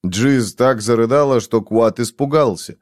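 A man reading an audiobook narration in a measured storytelling manner. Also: mid-range voice, no echo, studio quality. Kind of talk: scripted narration.

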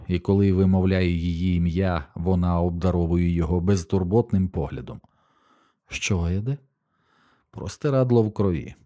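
A man narrating an audiobook in a steady, measured reading. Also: low-pitched. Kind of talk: scripted narration.

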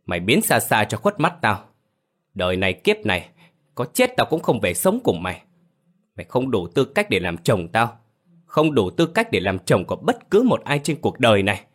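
A man's voice: on the low side, big pitch swings, moderate pace. A man voicing a fed-up wife who scolds her husband shrilly. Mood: scornful. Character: fierce defiant woman, wife fed up.

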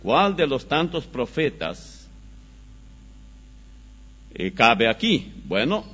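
A man preaching a Bible study, reading scripture slowly and with emphasis, recorded on dull, lo-fi audio. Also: medium pitch, breathy edge. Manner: slow, emphatic scripture reading with animated rises.

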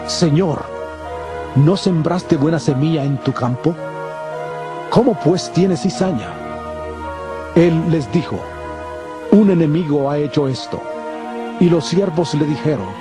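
An actor playing a calm, solemn male teacher of parables in a dramatized scripture audio, speaking in a measured, deliberate way. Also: a little high, natural voice. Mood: storytelling. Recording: constant prominent music under the voice. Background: music.

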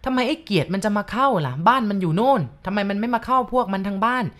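A woman's voice: lowish voice, normal speed, lightly acted. A woman voicing a stern, hot-tempered old grandfather who speaks bluntly. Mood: angry. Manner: blunt, sharp when angry.

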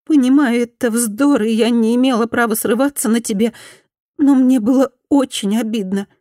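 A woman's voice: on the high side, normal speed, warm tone, no echo, clean studio sound, pitched above the performer's own voice, natural voice. A woman voicing a remorseful former schoolgirl bully, now a housewife, who pleads in a thin, small, faltering voice and stammers slightly. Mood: confessing.

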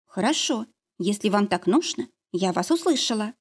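A woman voicing a mild-mannered mother who is ill and just woken, with a hoarse, sleepy voice. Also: medium pitch, lively intonation, moderate pace. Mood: calm, puzzled. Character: sick, sleepy, gentle mother, adult woman.

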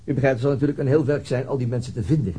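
An actor playing a dogged, weary male police detective in a Dutch radio drama, speaking haltingly. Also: mid-range voice, dark tone, breathy edge, lightly acted. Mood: cautious, formal. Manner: hesitant, halting.

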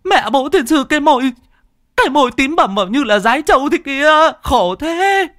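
A man voicing an older village wife who wails and scolds loudly through tears. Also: very high-pitched, very animated, normal speed, dry recording, studio quality, voice pushed up, full character voice. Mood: wailing. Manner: wailing, crying, scolding loudly.

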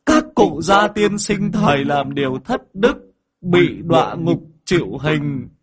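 A man voicing a wailing male ghost who begs the exorcist for help, pleading and sobbing in drawn-out words. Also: a little high, animated, breathy edge, pitched above the performer's own voice, exaggerated voice.

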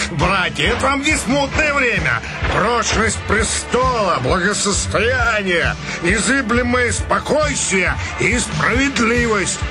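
A fawning loyalist townsman, gushes in a satirical radio drama. His voice sits very high and swoops around as he exclaims. Music plays clearly behind him. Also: full character voice. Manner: gushing, rabble-rousing exclamations. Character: zealous male townsman, fawning loyalist in tavern crowd.

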